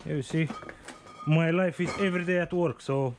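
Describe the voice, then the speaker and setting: A man's voice: fairly high pitch, steady tone, moderate pace. A young man with a Romanian accent chatting in friendly broken English as he unloads a delivery. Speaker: delivery driver. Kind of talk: casual chat while working. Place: outdoors and in a small shop stockroom. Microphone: body-worn action camera. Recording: noisy body-cam audio.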